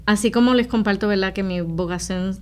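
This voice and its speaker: A woman's voice: mid-range voice, brisk, clear, resonant tone. A woman from Rico, talking earnestly and explaining things as a missionary guest in an interview. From Puerto Rico. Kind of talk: conversational interview testimony.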